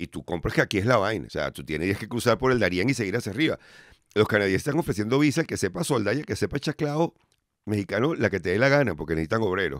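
Talking very fast in an animated tone with a Venezuelan accent, a man with a fairly low voice swings very widely in pitch, recorded dry with no echo against a quiet background. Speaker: podcast host; podcast guest or host. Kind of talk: casual chat. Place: studio. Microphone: studio mic.

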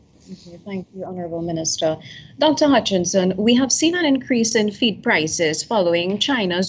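A woman speaks at a moderate pace. Her pitch is fairly low. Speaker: webinar moderator. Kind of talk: panel moderation. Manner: formal. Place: office. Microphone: video call.

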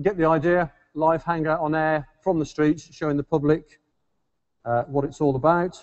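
A man's fairly high voice, monotone and flat, at a moderate pace against a quiet background. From West Midlands, England. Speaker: police officer; keynote presenter. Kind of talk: keynote presentation. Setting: stage with audience. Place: hall. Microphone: podium.

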